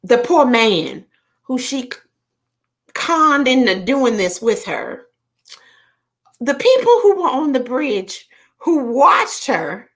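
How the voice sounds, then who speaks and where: A woman with a Southern American accent, chatting casually with viewers on a livestream and telling stories in an animated way. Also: on the high side. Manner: animated storyteller, talks straight to viewers, frequent fillers. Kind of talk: casual chat.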